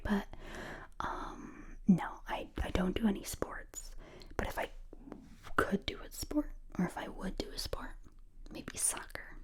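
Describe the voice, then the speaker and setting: A woman in her twenties from the United States, whispering ear to ear as she answers viewer questions in a relaxed, chatty way. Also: mid-range voice. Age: 20s. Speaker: ASMR creator. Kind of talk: whispered ASMR Q&A. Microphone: close binaural mic.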